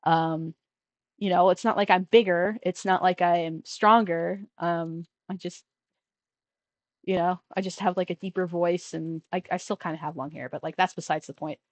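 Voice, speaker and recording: A trans man hosting a casual call-in show, talking in a rambling way with many restarts and trailing off quietly. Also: high voice, fairly even intonation, normal speed, dry recording. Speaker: podcast host taking call-ins. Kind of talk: casual conversational chat.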